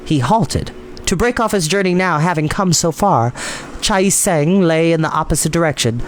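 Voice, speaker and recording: A man reading a story aloud as host, with expressive narration. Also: a little high, normal speed, slight background noise.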